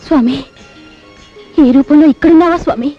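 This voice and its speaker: An actress playing a young dancer from Rajahmundry who was wrongly jailed, speaking in an impassioned, tearful way. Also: female voice, high-pitched, normal speed, natural voice. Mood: indignant. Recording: dull old film soundtrack with music.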